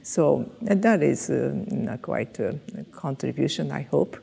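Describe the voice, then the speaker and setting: Older Japanese-accented woman, gravelly and halting. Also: very deep voice, animated, warm tone, in a large hall. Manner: hesitant, many fillers and restarts, light laughter. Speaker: interviewee, physiologist. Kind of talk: oral history interview. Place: dark studio set, indoors. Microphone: headset mic.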